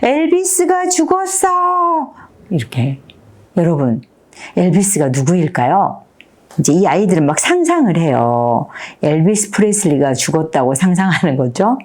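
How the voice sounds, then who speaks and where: A woman's voice: low voice, normal speed. A woman in her fifties, a teacher, talks through a picture book and keeps asking her listeners questions. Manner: animated storytelling, asks the audience questions. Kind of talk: picture-book talk to an audience.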